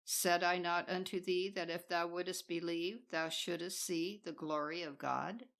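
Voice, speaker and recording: A woman narrating a spiritual book aloud in a measured, solemn manner, reading from a script. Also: lowish voice, fairly even intonation, creaky, a bit bright. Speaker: audiobook narrator.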